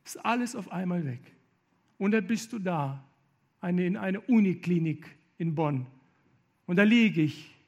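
Gravelly, high-voiced man preaching passionately. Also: lively intonation. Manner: passionate, rising to loud emphatic appeals; halting, with stammered restarts. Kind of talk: sermon with personal testimony.

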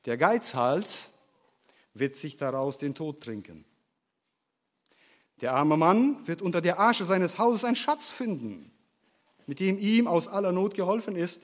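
A man preaching in a sermon, voicing a grave male companion who turns out to be an angel, speaking quietly and solemnly. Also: high-pitched, animated, unhurried, pauses often, long reverb tail. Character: mysterious male companion revealed as angel, stern. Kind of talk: sermon storytelling.

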